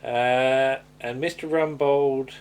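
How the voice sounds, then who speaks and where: A man's voice: medium pitch, steady tone, slow, darkish tone, smooth. A man co-hosting a casual recap chat, talking in a hesitant, conversational way and seeking agreement with tag questions. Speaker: podcast co-host.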